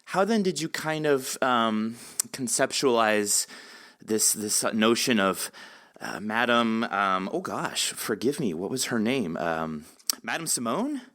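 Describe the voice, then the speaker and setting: A man hosting a casual interview, talking in a rambling, animated way and acting out his reactions. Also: medium pitch, takes it slowly. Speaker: podcast host interviewing an author.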